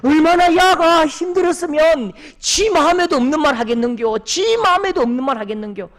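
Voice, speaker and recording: A man voicing a tender rural mother who consoles her son in a Gyeongsang accent, repeating her words softly and pleadingly. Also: very high-pitched, brisk, pitched above the performer's own voice. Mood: consoling. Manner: soothing, pleading, repetitive.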